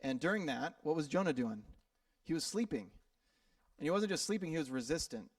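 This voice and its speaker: A man from Minnesota preaches to his church in a relaxed, conversational style, often stumbling over and repeating words. His voice sits a little high for a man. The sound is dry and a bit distant, as if the mic is some way off. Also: fairly quick, dry recording. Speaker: pastor. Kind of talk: sermon. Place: church sanctuary.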